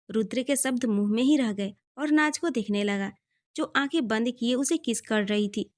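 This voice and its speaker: A woman reads a romantic story aloud as narrator. Her voice sits high, and her delivery is steady and scripted.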